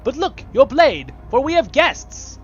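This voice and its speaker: A man voicing a spirited elf bard in a fantasy game, with a theatrical, excitable manner. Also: very high voice, a little slow, highs cut off, soft background music, pitched above the performer's own voice, exaggerated voice. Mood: hearty. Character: spirited male fantasy elf bard, eager battle comrade. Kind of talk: acted fantasy game role-play.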